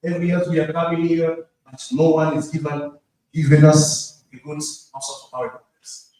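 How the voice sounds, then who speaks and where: A man from DR Congo with a Congolese French accent speaks halting English in an impassioned speech from the audience floor, repeating phrases for emphasis. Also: fairly high pitch, flat delivery, mellow. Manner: halting, non-fluent English with repetition for emphasis. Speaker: audience member at a conference. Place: large indoor conference room. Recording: very echoey hall, distant mic, faint noise.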